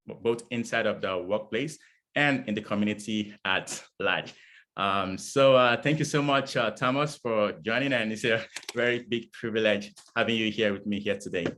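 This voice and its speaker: Rambling low-voiced male interviewer. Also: moderate pace, fairly bright tone. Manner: rambling, stacked with "you know" and "um" fillers. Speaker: interview host. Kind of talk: casual interview hosting.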